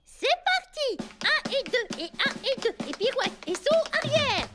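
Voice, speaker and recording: Young cartoon girl, very high voice, eager, encouraging, emphatic, loud music behind. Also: big pitch swings, measured pace, full character voice. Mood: upbeat, encouraging. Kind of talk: French cartoon dub acting.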